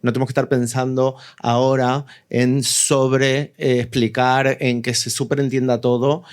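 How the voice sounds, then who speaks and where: A man's voice: medium pitch, little pitch movement, measured pace, clean tone. Guy writer on a panel, medium voice, explaining stuff thoughtfully, chatty. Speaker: audio fiction writer, panelist. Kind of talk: casual panel discussion. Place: live panel event with several speakers.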